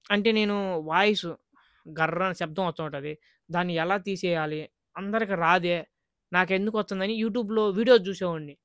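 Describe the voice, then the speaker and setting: A man's voice: high voice, fairly bright tone, no room sound, clean studio sound. A man vlogging in a casual, earnest way, chatting straight to his viewers.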